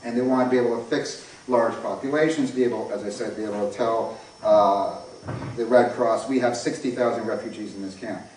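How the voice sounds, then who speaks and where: In a room with audible echo and noticeable background noise, a man with a North American accent talks at a fairly quick pace in a medium pitch with ordinary pitch variation. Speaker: lecturer on privacy and technology. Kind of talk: lecture.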